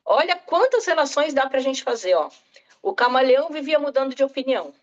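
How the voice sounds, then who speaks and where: A woman's voice: sits high, animated, a little fast, dull audio. A woman giving an online lecture to educators, speaking straight to her listeners and often checking in with "tá?" and "né?". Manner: talks straight to listeners, frequent "tá?" and "né?". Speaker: literacy specialist presenter.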